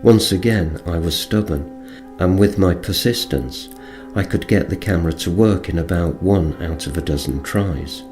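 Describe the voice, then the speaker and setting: A man's voice: deep voice, moderate pace, few pauses, music in the background. A man reading a first-person account aloud as scripted narration. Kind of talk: scripted audiobook-style narration.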